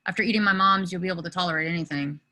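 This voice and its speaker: A woman playing an awkward, excitable, friendly teenage boy in a virtual table read. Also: fairly low pitch, rapid-fire. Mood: chatty, friendly.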